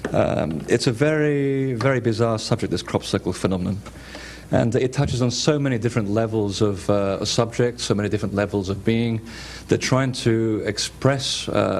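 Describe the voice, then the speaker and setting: Lecturer, male, Portuguese accent, fairly low voice, halting delivery full of ums, faint room hiss. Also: darkish tone. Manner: hesitant, many fillers and restarts. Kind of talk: conference lecture with slides.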